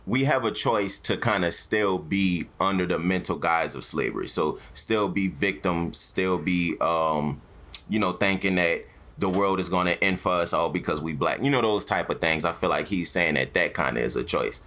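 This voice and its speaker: A man's voice: deep voice, normal speed, a bit bright. A man with an African American accent hosting a casual, opinionated podcast, talking in slang with plenty of swearing. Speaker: podcast host.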